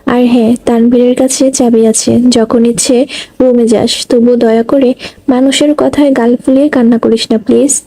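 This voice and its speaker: A woman's voice: on the high side, level tone, normal speed, dark tone, poor audio. A woman voicing a stern but caring young man in a read-aloud romance story, talking in a firm, scolding way. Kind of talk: audiobook reading.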